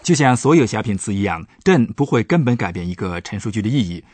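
A man's voice: on the low side, sing-song, fast talker, darkish tone, a little hiss or hum. A man, a professor, patiently explaining German grammar points on a radio language lesson. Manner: patient, explanatory, stresses example words.

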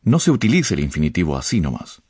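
A man's voice: extremely low pitch, wildly swooping pitch, fast talker, dark tone, breathy edge, no echo. A man, a professor explaining grammar in a patient, teacherly way. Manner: didactic, patient. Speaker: language professor.

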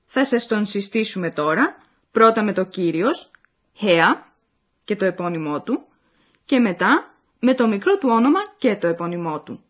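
A woman's voice: mid-range voice, big pitch swings. A woman reading the scripted narration of a language course, explaining and addressing the listeners. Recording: dull lo-fi recording.

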